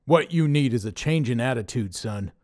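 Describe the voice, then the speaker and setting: A man's voice: medium pitch, lively intonation, normal speed, a little mellow, no echo, clean studio sound, natural voice. Man putting on a blustering bossy camp leader. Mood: lecturing. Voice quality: blustering, scolding. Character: gruff bossy middle-aged male camp leader, preachy.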